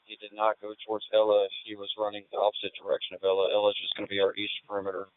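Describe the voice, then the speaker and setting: A man's voice: lowish voice, completely flat delivery, rapid-fire, no room sound. A man working as a police officer, giving matter-of-fact directions in clipped two-way radio traffic. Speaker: police officer coordinating a search over radio. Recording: tinny narrowband police radio scanner feed.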